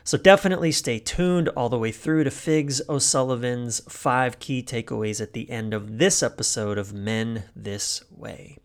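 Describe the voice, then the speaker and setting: A man's voice: mid-range voice, moderate pace, few pauses. A man hosting a podcast, introducing the episode and chatting with his guest in an enthusiastic, chatty way. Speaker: podcast host.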